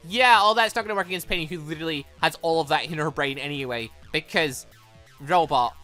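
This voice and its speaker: An excitable gaming YouTuber reading a visual novel aloud and commenting on it in an animated, exclaiming manner. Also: medium pitch. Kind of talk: let's play commentary mixed with reading dialogue aloud. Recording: music behind the voice. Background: video game music.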